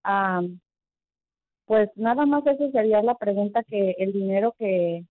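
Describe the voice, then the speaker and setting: A woman's voice: mid-range voice, a little slow, no room sound. A woman calling into an advice show, speaking hesitantly with many fillers, over a phone line. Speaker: caller.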